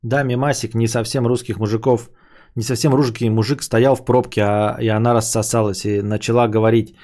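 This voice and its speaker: A man chatting on his own podcast in a loose, rambling way. He jokes around, twists words on purpose and drifts from topic to topic, at an ordinary middle pitch. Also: level tone, a little mellow. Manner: jokey, rambling, deliberately mangles words. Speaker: podcast host. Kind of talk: casual solo podcast chat.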